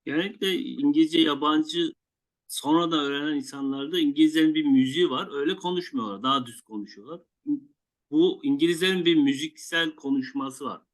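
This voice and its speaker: A man's voice: on the high side, brisk, low-quality recording. A man co-hosting a casual discussion who puts questions to his partner. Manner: inquisitive, poses questions. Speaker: co-host asking questions.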